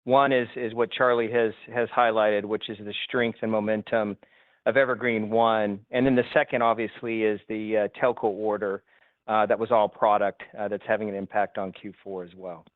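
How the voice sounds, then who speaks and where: A man's voice: fairly low pitch, level tone, normal speed, no echo. Businesslike man on a tinny phone line. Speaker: company finance executive. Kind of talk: prepared but spoken answers on an investor conference call.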